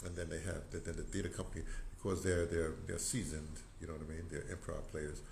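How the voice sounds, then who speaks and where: A man's voice: a bass voice, flat delivery, fast, darkish tone. An older man in a casual vlog, rambling and repeating words as he shows his home and patio, filmed on a phone at arm's length. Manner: rambling, repeats words, gestures while explaining. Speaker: vlogger on audio drama. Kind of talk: casual walk-and-talk vlog. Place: small home, then sunny patio outdoors. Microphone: phone camera held at arm's length. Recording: phone recording with clear background noise.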